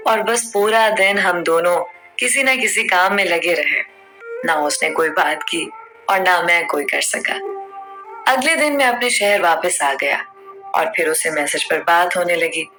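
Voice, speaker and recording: Woman, storyteller, heartfelt first-person narration, low-ish voice, bright tone. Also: animated, unhurried, faint music behind.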